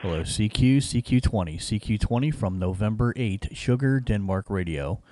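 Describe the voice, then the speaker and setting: A man's voice: fairly low pitch, animated, normal speed, warm tone. A man working as an amateur radio operator, giving call signs in phonetic words and making casual contact. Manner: repetitive phonetic call-sign delivery. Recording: faint background radio hiss. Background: faint hiss.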